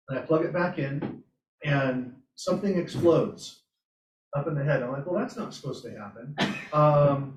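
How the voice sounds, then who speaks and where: Echoey, distant man telling project stories. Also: fairly high pitch. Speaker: presenter at a robotics club meetup. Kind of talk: informal project presentation, anecdotal. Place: meeting room at a hybrid club meetup. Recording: echoey room, distant mic, muffled sound.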